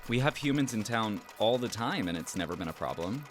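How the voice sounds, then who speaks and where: A man's voice: on the low side, lively intonation, fairly quick, slight background noise, natural voice. A man playing a sardonic but encouraging young friend in an audio drama, casual and sarcastic.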